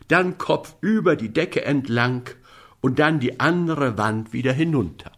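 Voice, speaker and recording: Slow, expressive male storyteller. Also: mid-range voice. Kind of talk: reading a fairy tale aloud.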